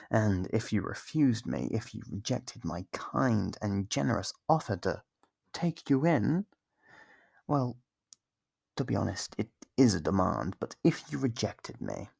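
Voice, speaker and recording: An actor as a slow, gravelly, possessive vampire. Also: medium pitch, dry recording, studio quality, heavily acted. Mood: menacing, jealous. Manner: slow, teasing, condescending, with whispered phrases and pauses. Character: possessive, smug, centuries-old vampire, menacing and obsessive. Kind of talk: ASMR roleplay monologue to the listener.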